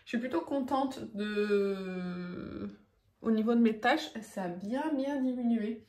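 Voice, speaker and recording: A woman's voice: on the high side, slow, warm tone. A woman talking through her routine in a casual, chatty vlog, with frequent fillers and little laughs. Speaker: beauty vlogger. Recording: echoey room, faint background noise.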